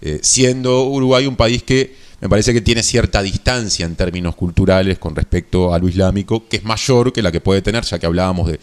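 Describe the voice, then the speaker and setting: A man with a Rioplatense accent and a very low voice interviews a guest on the radio. He asks long, measured questions at a thoughtful pace. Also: clean tone. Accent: Rioplatense Spanish.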